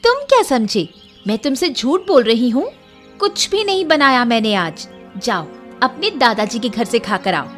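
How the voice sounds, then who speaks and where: A woman voicing a proud, stubborn younger daughter-in-law in a cartoon story, sharp and defiant. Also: on the high side, big pitch swings, moderate pace, faint music behind.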